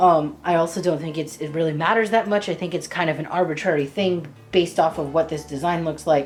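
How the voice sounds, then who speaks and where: In a Rhode Island accent, the speaker goes at a fairly quick pace with hardly any pauses, with audible room echo and music in the background. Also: woman, fairly low pitch for a woman, fairly even intonation. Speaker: woodworking YouTuber. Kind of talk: tutorial. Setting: home garage workshop. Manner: casual, conversational.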